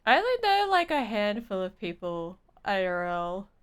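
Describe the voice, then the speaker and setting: A woman's voice: medium pitch, very animated, moderate pace, clear, resonant tone. A young woman livestreaming a game, chatting casually with viewers in a playful, silly, exaggerated way. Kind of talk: casual chat with stream viewers.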